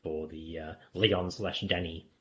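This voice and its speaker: A man with a fairly low voice talks as a podcast host. He retells scenes in a casual, conversational way, often amused by what he describes. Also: steady tone, a little slow, fairly bright tone, a little hiss or hum. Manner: chuckles often while retelling. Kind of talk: casual scene-by-scene recap of a TV comedy episode.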